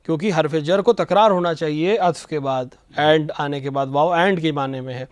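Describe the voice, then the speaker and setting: A man, a religious scholar on a studio TV show, explaining patiently and slowly reciting phrases to show the right pronunciation. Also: a little high, smooth, no room sound. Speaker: religious scholar answering questions. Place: television studio.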